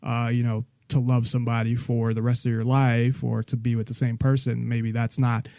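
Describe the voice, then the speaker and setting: A man's voice: medium pitch, monotone, normal speed, no echo. Rambling male podcast host, dry sound. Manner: rambling, with many restarts and soft laughs. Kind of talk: casual interview chat.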